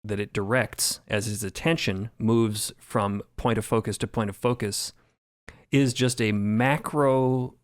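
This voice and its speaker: Guy on a podcast, lowish voice, really dry sound, thinking things through carefully. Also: smooth, no echo. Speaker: podcast creator and sound designer. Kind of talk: roundtable discussion.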